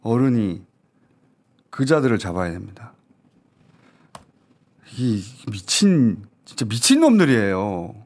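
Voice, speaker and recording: A man's voice: lowish voice, big pitch swings, takes it slowly, long pauses, a little mellow. A man giving heated news talk-show commentary, talking in an indignant, emphatic and urgent way. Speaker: political commentator.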